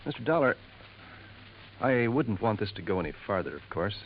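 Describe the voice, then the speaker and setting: A smooth, gossipy jeweler. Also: male voice, fairly low pitch, sing-song, moderate pace. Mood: confiding. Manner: confiding, insinuating. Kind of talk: 1950s radio drama acting. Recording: dull lo-fi old radio recording, faint hiss.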